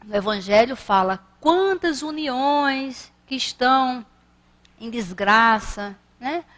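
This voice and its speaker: A middle-aged woman with a Rio de Janeiro accent, her voice sitting a little high, delivers a spiritist lecture. She talks in a conversational way and acts out the children and staff in her stories. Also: fairly bright tone. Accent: Rio de Janeiro Portuguese.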